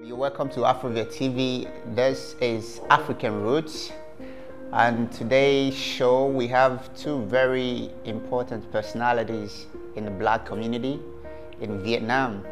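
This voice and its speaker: A male host opens the show in an upbeat, welcoming way. He speaks at a measured pace and at a middling pitch. Music plays under his voice. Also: steady tone. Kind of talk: hosting an interview.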